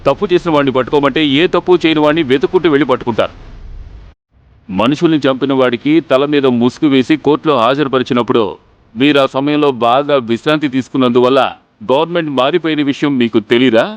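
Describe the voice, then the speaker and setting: A defiant, taunting hero who answers the police with cool sarcasm, as a man voices him in a film dub. His voice is smooth and clear, and he delivers the dubbed film dialogue with a steady mocking edge. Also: mid-range voice, fast talker, no echo, highs cut off, natural voice.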